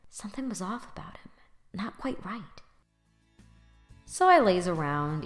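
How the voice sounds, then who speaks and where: Actress as wry weary young woman narrator, lowish voice, dry sarcasm, conversational, music underneath. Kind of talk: first-person audio drama narration and dialogue.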